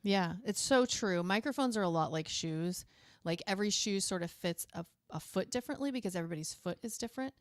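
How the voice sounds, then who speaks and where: A middle-aged woman with a lower, direct voice, explaining casually as a guest in a small studio on a boom-arm mic. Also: lively intonation, a little fast, dry recording. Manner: explains plainly, with frequent fillers like "like". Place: small studio room full of gear. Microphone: studio mic on boom arm, headphones on.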